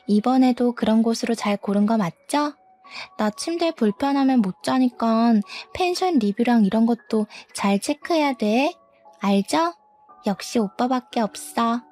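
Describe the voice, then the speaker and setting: A sweet, wheedling young mistress, as a woman puts her on in a storybook drama, cooing her requests. The voice is soft and mellow, a touch distant, as if played back from a small recorder, with faint music underneath. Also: on the high side, animated, measured pace. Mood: coaxing.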